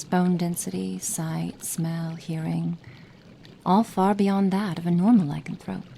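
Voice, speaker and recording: A woman voicing a cold, impatient female witch experimenter in an ASMR roleplay, speaking softly and partly in whispers, haughty and condescending. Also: on the low side, a little hiss or hum, lightly acted. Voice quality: soft, partly whispered delivery.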